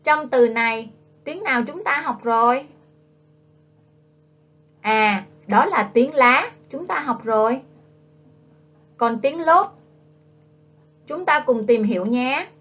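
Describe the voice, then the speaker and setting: A woman with a Southern Vietnamese accent leads a primary phonics lesson in a fairly high voice. She speaks very slowly and drills the children patiently. The recording sounds dull and lo-fi. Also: expressive, fairly bright tone. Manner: coaxing, prompts children to repeat. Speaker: primary school teacher. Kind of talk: slow, drawn-out phonics lesson for young children. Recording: dull lo-fi classroom video audio.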